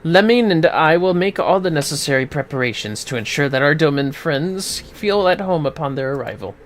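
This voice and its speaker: A man's voice: a little high, animated, a little fast, a little hiss or hum, lightly acted. A man voicing a courtly, gracious fantasy noble from a video game, in theatrical, formal, archaic phrasing. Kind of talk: amateur voice acting of game dialogue.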